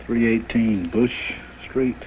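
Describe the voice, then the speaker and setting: An actor playing a measured, businesslike police officer taking details in a 1970s training film. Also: male voice, mid-range voice, darkish tone, natural voice. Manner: measured, questioning. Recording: faintly noisy old film soundtrack.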